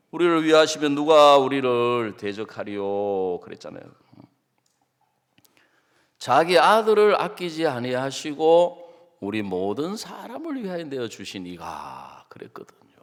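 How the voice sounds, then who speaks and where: A man preaching a sermon as a pastor, acting out his arguments and prayers, dropping to hushed asides and rising to loud outbursts, often asking the congregation short questions. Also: medium pitch. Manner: dramatic, swings between soft asides and loud outbursts. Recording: long hall reverb.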